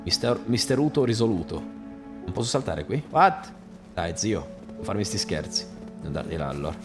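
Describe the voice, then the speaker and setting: A man commentating his own survival game playthrough, excitable and swearing, shouting at the enemies. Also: low voice, normal speed. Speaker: gaming streamer. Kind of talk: let's play commentary. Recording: music in the background.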